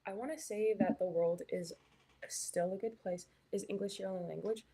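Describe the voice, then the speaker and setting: A woman's voice: mid-range voice, fairly even intonation, normal speed, warm tone. A young woman from Canada, chatting casually as a live stream host while reading her chat, with lots of "like" and "um". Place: hotel room.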